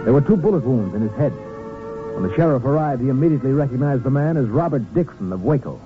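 A man's voice: mid-range voice, lively intonation, fast. A man narrating a scripted crime drama as a 1950s radio announcer, with a dramatic delivery. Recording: narrow-band old radio recording. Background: dramatic music.

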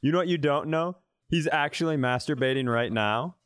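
A man's voice: a little high, moderate pace, fairly bright tone, clean tone, no room sound, clean studio sound. A man co-hosting a comedy podcast in casual banter, teasing and crude in his humor. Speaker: podcast co-host.

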